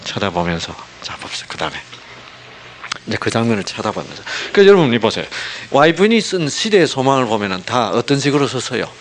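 A man preaching a sermon, asking the congregation constant rhetorical questions and dropping from loud emphasis to hushed asides. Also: mid-range voice, sing-song, fast talker, slight background noise. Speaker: pastor.

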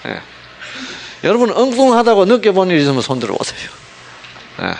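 A man preaches a sermon with a very lively, swooping pitch, throwing rhetorical questions at his listeners. He swings between loud emphatic phrases and near-whispered asides. A faint hiss of noise sits under the recording. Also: brisk. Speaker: pastor.

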